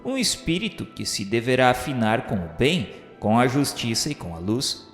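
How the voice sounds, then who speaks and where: A man's voice: mid-range voice, big pitch swings. Solemn man narrating in reverberant space. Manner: solemn, measured, declamatory. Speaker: narrator of a radio novel. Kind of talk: formal scripted literary narration. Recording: echoey hall reverb, music behind. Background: music.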